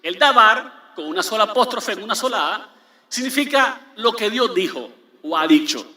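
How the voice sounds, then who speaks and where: A man preaching in a big church, his high, piercing voice ringing through an echoing hall. He leans hard on key words, repeats them, and keeps asking the congregation whether they follow. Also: lively intonation, moderate pace, sharp tone. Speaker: pastor. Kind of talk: sermon. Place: large church.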